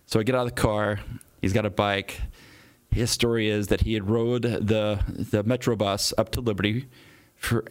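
Earnest man telling a personal story. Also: fairly low pitch. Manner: earnest, animated retelling with acted-out quotes. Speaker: police officer.

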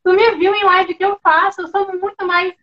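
A woman's voice: very high-pitched, moderate pace. Chatty Brazilian woman author, muffled audio. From Porto Velho, Rondônia, Brazil. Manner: chatty, expressive, self-deprecating. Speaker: author, interview guest. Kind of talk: live-stream interview. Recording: dull lo-fi audio.

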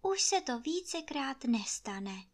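A woman's voice: sits high, big pitch swings, voice pushed up. A woman voicing a meek but cunning young peasant housemaid who pleads humbly and sweetly in a storybook reading. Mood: wheedling. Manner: humble, wheedling, sugary pleading.

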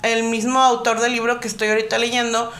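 A woman co-hosting a podcast, explaining things in a measured way with fillers. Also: a little high, level tone, a bit bright, echoey room. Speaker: podcast co-host. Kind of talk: casual podcast chat.

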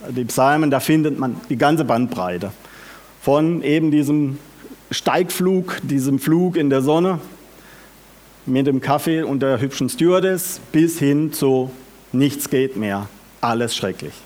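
A male preacher speaks slowly and deliberately at a middle pitch. He keeps turning to his listeners with questions and stresses his words with energy. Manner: asks the audience questions, lively and emphatic. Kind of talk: sermon.

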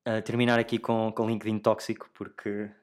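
A young adult man with a European Portuguese accent hosting a solo podcast in a casual, slangy chat, thinking aloud haltingly and addressing listeners directly. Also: lowish voice, completely flat delivery. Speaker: podcast host.

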